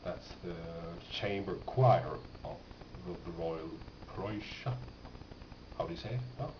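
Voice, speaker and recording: A man's voice: sits low, measured pace. A man giving a casual, unscripted show-and-tell as a record collector, hesitant and rambling as he thinks aloud. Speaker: record collector presenting his finds. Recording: roomy, distant, muffled, noisy home recording.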